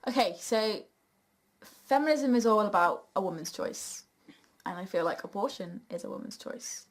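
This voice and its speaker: A woman's voice: mid-range voice, animated, normal speed, slight background noise. A young woman chatting casually and candidly as co-host of a Q and A vlog. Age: young adult.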